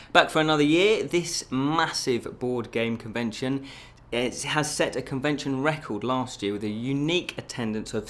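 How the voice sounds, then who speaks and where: A man's voice: mid-range voice, fairly bright tone. A man presenting scripted news items as a show host, in a casual, chatty way with jokey asides.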